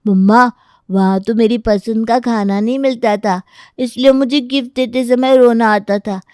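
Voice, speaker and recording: A woman's voice: on the high side, steady tone, measured pace, mellow, clean tone, no room sound, studio quality, close to an everyday voice. A woman voicing a stubborn, whiny six-year-old boy who is a fussy eater, in a storybook tale. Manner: whiny and insistent. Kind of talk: storybook character acting.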